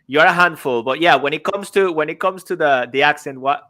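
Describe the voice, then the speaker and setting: Bright, animated man. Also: on the high side, a little fast. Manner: animated, laughs easily, stumbles over words. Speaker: podcast co-host. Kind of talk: casual podcast chat.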